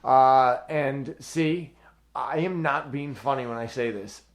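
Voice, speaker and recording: A man co-hosting a casual football podcast, telling stories and swearing freely, getting loud and excitable. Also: medium pitch, slow pace. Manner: profane, excitable, tells anecdotes. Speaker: podcast co-host. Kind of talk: casual sports chat.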